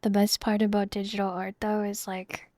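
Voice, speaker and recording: A woman in her thirties, chatting casually in a soft, rambling way while she draws on stream. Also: mid-range voice, little pitch movement, moderate pace, no room sound, studio quality. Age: 30s. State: losing her voice. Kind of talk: casual chat while drawing.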